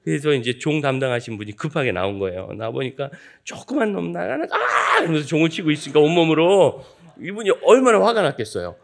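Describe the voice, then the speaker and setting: Man, 50s, pastor, sermon, humorous storytelling, gravelly voice, animated. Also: on the high side, fast talker, few pauses. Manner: lively, joking anecdotal storytelling. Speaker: guest pastor. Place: church sanctuary at a dawn service.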